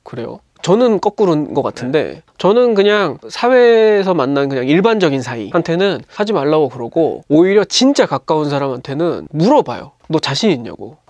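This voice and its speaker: A man hosting a casual chat and giving blunt advice in an animated way, recorded in a small studio room. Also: fairly high pitch, moderate pace, few pauses, no room sound, highs cut off. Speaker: host, music producer.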